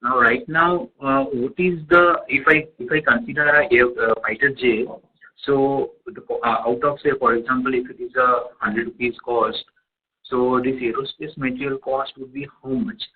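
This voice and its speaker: A man, heard over a phone line, asking an analyst's question on a conference call, halting and full of fillers. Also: mid-range voice, fairly even intonation, husky. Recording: tinny, echoey phone line.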